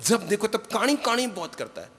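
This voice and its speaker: Brief: a man playing a mild young wife, soft and bright, in a big reverberant hall. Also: high voice, very animated, brisk, breathy edge, pitched above the performer's own voice, heavily acted. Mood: plaintive. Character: meek, gentle young wife complaining softly.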